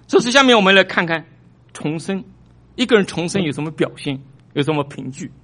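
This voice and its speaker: A male pastor preaching a sermon, animated, surging louder for emphasis and repeating his phrases. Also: a little high, a little fast. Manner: repeats phrases, small restarts.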